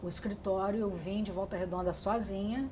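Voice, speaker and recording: Middle-aged woman, interviewee, reflective storyteller, mid-pitched, faint hiss in the room. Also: fairly even intonation, a little fast. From Brazil. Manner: reflective, with frequent restarts and fillers. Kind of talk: oral history interview.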